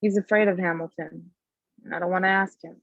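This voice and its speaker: An actress plays a protective woman, steady and commanding, with a gravelly creak in her voice. It is a drama table read with a dry, slightly dull sound. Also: lowish voice, a little fast, no room sound. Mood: firm, urgent. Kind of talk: screenplay table read acting.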